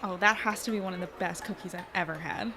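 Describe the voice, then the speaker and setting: A woman's voice: fairly low pitch, fast, noisy background, lightly acted. An actress playing a friendly, talkative, wry young woman in a naturally acted audio drama. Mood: wry, playful.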